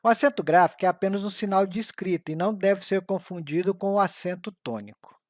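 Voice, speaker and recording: A man reads an exam-prep grammar lesson, slowing down carefully over the examples. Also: high voice, dry recording, clean studio sound. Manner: slow, careful reading of examples.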